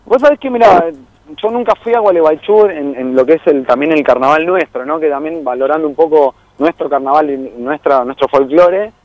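A young man with an Argentine accent talks as a guest in a radio studio. He is relaxed and wandering, with many fillers. His voice sits a little high, and the sound is dry and dull. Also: a little fast, no echo. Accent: Argentine Spanish. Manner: relaxed and rambling, many fillers, laughs easily. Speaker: guest, tour guide and traveler. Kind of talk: casual radio interview.

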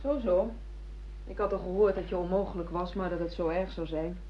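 An actress playing a cool, haughty old acquaintance speaking reproachfully in a radio drama. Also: female voice, lowish voice, fairly even intonation, a little fast, lo-fi sound, close to an everyday voice. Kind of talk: radio play acting in Dutch.

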